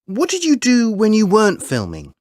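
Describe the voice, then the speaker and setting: A woman interviewer asking brisk, clearly spoken questions in a scripted exam recording. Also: mid-range voice, wildly swooping pitch, a little mellow, no echo, studio quality.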